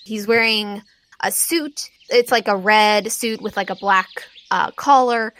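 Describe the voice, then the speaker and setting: A woman improvising scene narration as game master, in a halting, conversational way full of "like". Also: mid-range voice, a bit bright.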